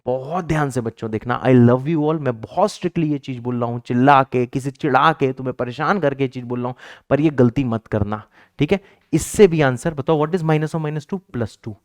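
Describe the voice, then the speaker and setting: A man's voice: medium pitch, moderate pace, dry recording, studio quality. A male math teacher giving an exam-prep lecture, emphatic and repetitive, raising his voice to stress points and teasing his students playfully.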